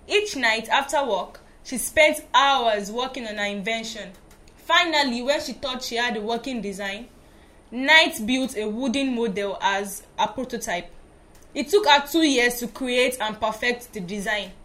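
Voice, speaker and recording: Woman, Nigerian accent, radio presenter, emphatic scripted reading, slightly high voice. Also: a bit bright. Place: radio studio.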